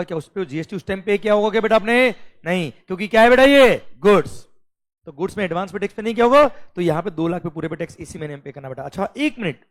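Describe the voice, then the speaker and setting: An Indian man with a fairly high voice teaches an exam-prep lecture. He mixes English and Hindi, calls his students "beta" and keeps asking if they are clear. He reads the English questions out slowly.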